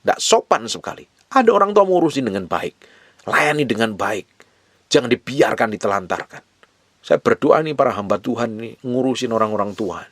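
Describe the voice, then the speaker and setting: A man's voice: mid-range voice, lively intonation, moderate pace, dry recording. A male pastor preaching a sermon, urging his listeners with repeated, emphatic exhortations in a casual, conversational way.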